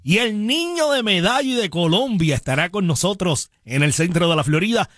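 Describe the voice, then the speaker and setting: A man hosting a radio show as DJ, with drawn-out emphatic words and casual slang. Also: sits high, lively intonation, fairly bright tone, dry recording, studio quality. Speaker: radio DJ and host. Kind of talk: upbeat Spanish-language radio presenting. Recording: broadcast radio with music under the voice. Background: music.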